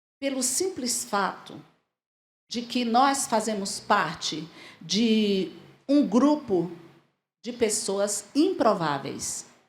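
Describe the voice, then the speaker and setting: A woman with a somewhat breathy, fairly high voice speaks at a very slow pace with long, frequent pauses and very wide pitch swings, with audible room echo around her. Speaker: guest preacher. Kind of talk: sermon.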